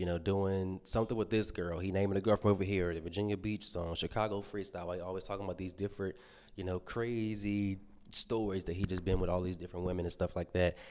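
Over light background noise, a man with a very deep, low pitch talks at a very fast pace. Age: 20s. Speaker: podcast host. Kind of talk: casual solo monologue. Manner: animated. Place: home room. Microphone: handheld.

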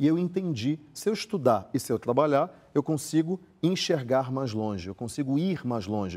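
Delivered at a moderate pace, the voice has a dark, mellow tone and very wide pitch swings. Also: man. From Brazil, Rio de Janeiro. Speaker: digital marketing expert and entrepreneur; interview guest. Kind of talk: interview. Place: studio. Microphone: lapel.

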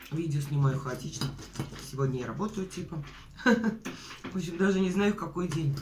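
Her voice is fairly low in pitch for a woman, with lively intonation. She keeps a moderate pace over light background noise. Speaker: mukbang vlogger. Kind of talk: casual vlog chat. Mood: chatty, joking. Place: kitchen. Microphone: phone near.

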